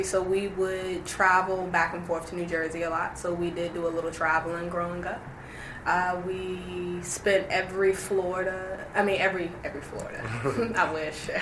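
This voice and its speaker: A young woman, recalling her early life in an oral history interview, reflective and hesitant with many fillers. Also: fairly low pitch. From Roanoke, Virginia. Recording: echoey room with noise.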